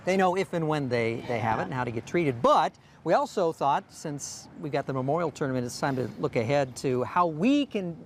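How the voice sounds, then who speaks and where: Male interviewer and event promoter, slightly high voice, casual TV chat outdoors with faint ambient noise. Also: animated, brisk, hardly any pauses. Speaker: guest presenter and event organizer. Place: outdoors at a golf event segment.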